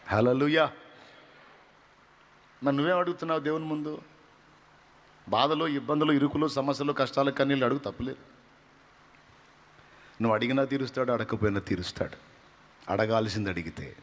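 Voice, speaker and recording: A man preaching a sermon, fervent and emphatic, often rising to loud high bursts and sometimes dropping to a soft prayerful tone. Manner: drops to soft, intimate prayerful tone.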